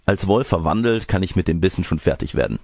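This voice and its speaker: Mann spielt lüsternen bösen Zauberer, sehr tief. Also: male voice, low-pitched, very animated, fast talker, creaky, darkish tone, dry recording, studio quality, heavily acted. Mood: scheming. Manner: florid, gushing, sly. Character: lecherous, pompous male evil sorcerer seducer.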